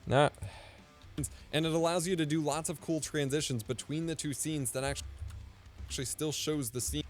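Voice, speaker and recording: A man in his thirties live-streaming from his home setup as he edits video, thinking out loud and muttering asides under his breath. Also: a little high, steady tone, normal speed. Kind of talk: casual live-stream commentary while video editing. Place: home streaming room, indoors. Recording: dry close mic with faint music.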